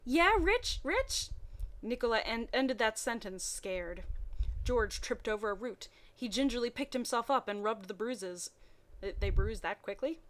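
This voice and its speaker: A woman reading amateur fiction aloud in a mocking way, dropping in wry, deadpan asides. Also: mid-range voice, moderate pace. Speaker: reader and commentator.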